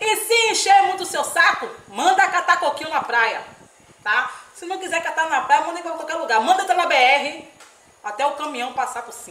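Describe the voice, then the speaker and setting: A woman's raised, projected voice in a Bahian accent, extremely high in pitch, with lively intonation, big swings in loudness, a moderate pace and audible room echo. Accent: Bahian Brazilian Portuguese. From Bahia, Brazil. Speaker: YouTuber. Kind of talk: casual vlog monologue. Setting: at home. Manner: chatty, laughs often. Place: home room. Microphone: phone near.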